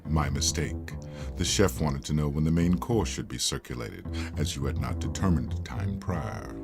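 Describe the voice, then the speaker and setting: An actor playing a faithful, deadpan butler with a gravelly voice and formal, deferential speech. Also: male voice, extremely low pitch, moderate pace. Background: loud music.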